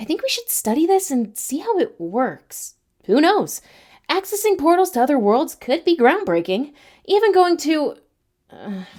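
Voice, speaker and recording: A put-on character voice with very wide pitch swings moves at a moderate pace on a very clean recording with a silent background. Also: female-sounding voice, extremely high pitch for a woman. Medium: audio drama. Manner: musing, half to herself.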